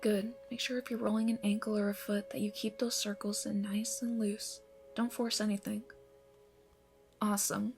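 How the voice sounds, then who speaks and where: A woman playing a gentle, encouraging yoga instructor in an ASMR roleplay, giving soothing, breathy instructions that often soften toward a whisper. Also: medium pitch, flat delivery, moderate pace, faint music behind, close to an everyday voice. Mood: calm, encouraging. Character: gentle, encouraging female yoga instructor leading a morning class.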